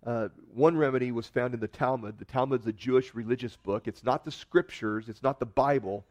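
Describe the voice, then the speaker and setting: A man preaching a sermon, telling a story with expressive swells of emphasis and dramatized quotes. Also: medium pitch, fairly quick, highs cut off. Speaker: pastor.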